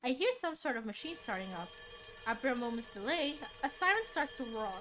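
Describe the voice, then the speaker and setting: A woman with a high, very lively voice reads a visual novel on stream over clear background music. She slips between dramatic narration and casual, chatty commentary. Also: a little fast. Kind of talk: reading a visual novel aloud, casual asides. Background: game music.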